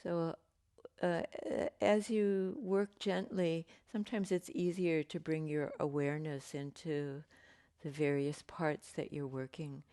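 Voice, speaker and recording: A woman teaching a yoga class, giving gentle, unhurried cues with pauses and fillers, her voice slightly croaky. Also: sits low, level tone, dry recording, studio quality. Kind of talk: guided yoga class instruction.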